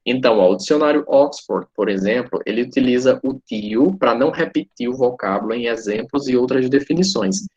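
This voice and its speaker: A man's voice: mid-range voice, brisk, hardly any pauses, darkish tone, breathy edge. A man teaching a lesson, explaining step by step and often checking in with his listeners. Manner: frequent tag questions, pointing at a screen. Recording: dull lo-fi sound.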